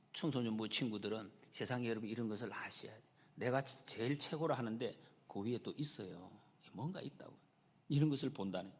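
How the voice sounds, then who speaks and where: A male pastor preaching a sermon, lively and expressive, at times acting out a quoted figure's cries. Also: medium pitch, slightly rough. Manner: animated preaching, acts out a quoted figure's shouts. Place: church sanctuary. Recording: long church hall reverb.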